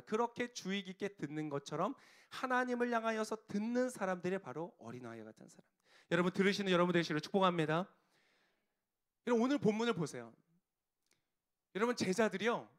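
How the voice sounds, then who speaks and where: A male pastor preaching a sermon to a young congregation, often putting questions to them and answering them himself. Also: high voice.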